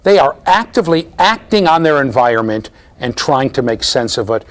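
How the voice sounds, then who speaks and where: A man in his fifties lectures to a room of students, his voice sitting in an ordinary middle range. He explains with animated energy and keeps asking "okay?" and "right?" to check that the class is following. The sound is picked up from a camera in a bookshelf-lined classroom. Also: mid-range voice, moderate pace. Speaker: university lecturer.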